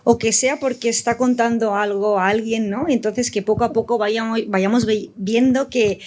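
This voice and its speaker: A woman's voice: on the high side, steady tone, moderate pace, darkish tone. A woman joins a casual panel as a scriptwriter. She explains her view informally, often ending phrases with a small checking question.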